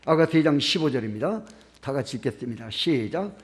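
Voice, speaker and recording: A man's voice: medium pitch, animated, fairly quick. A middle-aged man preaching a sermon as pastor, building emphasis through repeated phrases.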